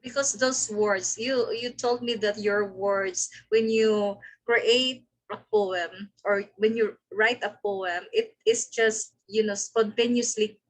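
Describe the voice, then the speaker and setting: Slow-speaking earnest woman interviewer. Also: mid-range voice, fairly even intonation, low-quality recording. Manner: earnest, admiring questions with fillers.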